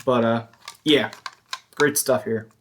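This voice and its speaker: Halting, casual man showing a collection. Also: mid-range voice, fairly even intonation, slight background noise. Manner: halting, hesitant, self-correcting. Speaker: music collector vlogger. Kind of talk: casual show-and-tell commentary.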